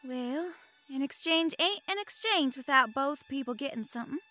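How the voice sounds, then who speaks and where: A woman's voice: high voice, expressive, moderate pace, sharp tone, soft background music. An actress playing a feisty, sly young snow woman with a folksy, teasing manner in an audio drama.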